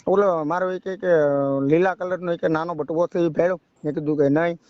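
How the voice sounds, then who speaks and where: High-pitched young man on a muffled call. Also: level tone, a little fast, no echo. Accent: rural Saurashtra Gujarati. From Gujarat, India. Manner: rambling, often adds a checking tag question. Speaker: caller seeking advice. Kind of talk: personal account told over a phone call. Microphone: phone call. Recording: dull lo-fi phone call recording.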